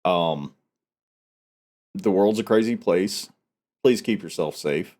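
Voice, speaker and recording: A man's voice: low voice, takes it slowly, a little mellow. A man hosting a novel read-aloud, talking casually and reading in an audiobook style. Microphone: headset.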